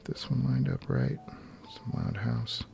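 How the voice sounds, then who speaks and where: This livestream host talks slowly in a gravelly, warm, medium-pitched voice that barely rises or falls. He's working on headphones in a home garage studio, chatting casually, muttering under his breath and giving the odd chuckle.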